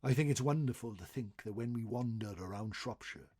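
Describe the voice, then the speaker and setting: A male storyteller with a husky, slightly rough voice at a middling pitch narrates old tales in a dramatic oral style. He swells expressively through phrases and lets their endings fall away into a hush. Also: brisk. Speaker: storyteller reading a folklore article.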